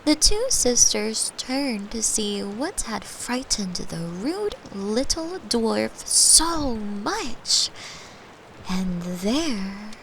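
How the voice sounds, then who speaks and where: Woman as gentle girlfriend telling a very slow bedtime story. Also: a little high, big pitch swings, a little hiss or hum, heavily acted, low-quality recording. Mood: gentle, soothing. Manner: gentle, unhurried, playful asides to the listener. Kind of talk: soft bedtime storytelling, sleep-aid roleplay.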